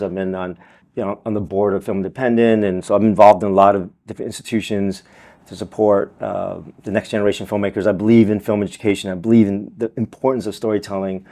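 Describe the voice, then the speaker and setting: A Vietnamese-born man raised in America, a film director and teacher, answering interview questions in an earnest, animated way with many repeated words. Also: fairly low pitch. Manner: earnest, animated, repeats words and says "you know" often.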